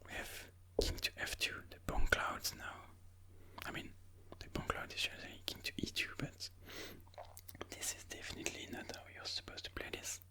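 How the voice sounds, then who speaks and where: Move by move, a person reflects aloud on their own chess game in a breathy, whispered ASMR style, speaking at normal speed.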